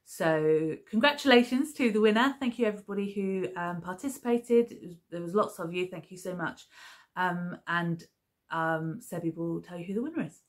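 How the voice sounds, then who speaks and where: Woman, 30s, lower pitch, casual rambling vlog chat, home living room, camera mic. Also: normal speed. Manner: rambling, chatty, many ums and restarts. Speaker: crafting vlogger.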